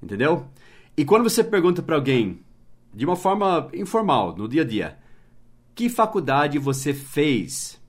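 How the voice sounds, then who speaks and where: A man's voice: fairly high pitch, big pitch swings. A man hosting a casual podcast lesson, patiently explaining and spelling words out letter by letter. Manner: slows down to model English phrases, adds tag questions. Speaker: English teacher and podcast host.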